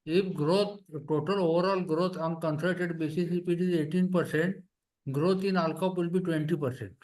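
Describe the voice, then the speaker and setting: A man's voice: fairly high pitch, steady tone, moderate pace, a little mellow, poor audio. A man with an Indian accent answering investor questions on an earnings call as a company executive, emphatic and repeating his phrases.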